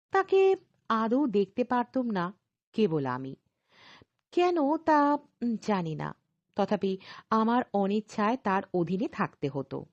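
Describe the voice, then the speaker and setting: A woman's voice: fairly high pitch, darkish tone, no room sound. A woman narrating an audio story expressively, acting out the dialogue. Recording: slightly dull, lo-fi recording.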